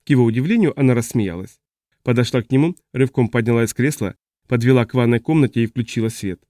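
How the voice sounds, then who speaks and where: This is scripted audiobook narration by a man with a mid-range voice, his storytelling steady and measured. The studio sound is clean, with no echo.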